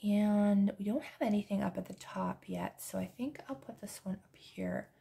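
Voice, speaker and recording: A woman talks casually and softly as she works, often slipping into near-whispers and quick laughs. Her voice is hoarse and fading, with a gravelly, creaky edge on her words. She sits at a medium pitch for a woman. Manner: soft-spoken, drifting into whispers. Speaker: planner and journaling vlogger. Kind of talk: casual chat while decorating a planner.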